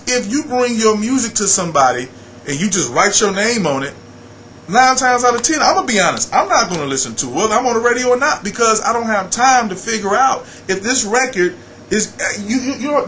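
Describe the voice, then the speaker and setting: A middle-aged American man talking casually as an interview guest, blunt and animated, repeating phrases for emphasis. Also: high voice, a little fast, slight background noise. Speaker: radio personality and program director, interview guest.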